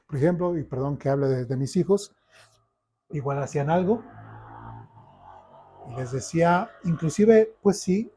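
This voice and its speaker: Man, Mexican accent, pastor, sermon, emphatic, somewhat high voice, dark and husky tone. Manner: emphatic preaching with frequent rhetorical check-ins. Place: church.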